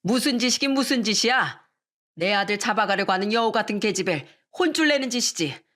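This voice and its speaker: A woman's voice: animated, brisk, close to an everyday voice. A woman voicing a furious, scornful middle-aged mother-in-law-to-be in a dramatized radio story. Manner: shrill, contemptuous yelling.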